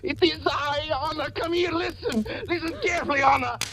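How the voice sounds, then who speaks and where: An actor in a 1940s radio horror drama playing a desperate husband who narrates in hushed whispers and cries out in frantic pleading. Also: male voice, very high-pitched, fairly even intonation, moderate pace, heavily acted. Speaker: first-person narrator.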